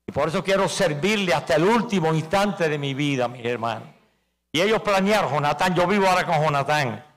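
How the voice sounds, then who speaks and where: Audible room echo surrounds a man with a high pitch. He speaks at a moderate pace with ordinary pitch variation. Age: 80s+. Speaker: retired pastor, evangelist. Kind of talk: sermon.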